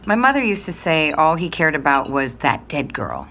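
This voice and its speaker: An actress playing a candid, matter-of-fact daughter being interviewed in an audio drama, with wry delivery. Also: female voice, low voice, very animated, normal speed, bright, forceful tone, full character voice. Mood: wry, resigned. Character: candid, dry daughter of an estranged detective. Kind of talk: naturalistic podcast interview drama. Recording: faint ambient room noise.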